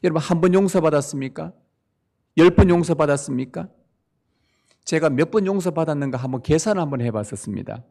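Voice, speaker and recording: A male pastor preaching in a church, with a somewhat high, gravelly voice. His pitch swings widely as he presses his points home. He keeps asking the congregation rhetorical questions. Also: animated, fast, dark tone. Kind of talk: sermon. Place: church sanctuary.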